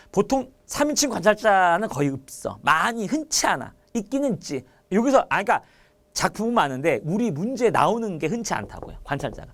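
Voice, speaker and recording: A man leads an online exam-prep lecture with a very lively, swooping delivery. He is chatty and animated, peppering his students with rhetorical questions and everyday analogies. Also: sits high. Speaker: Korean literature lecturer.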